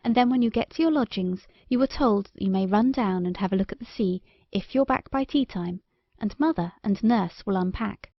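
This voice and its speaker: A woman's voice: medium pitch, moderate pace, vocal fry, dry recording, lo-fi sound. A woman reading a children's story aloud as scripted audiobook narration.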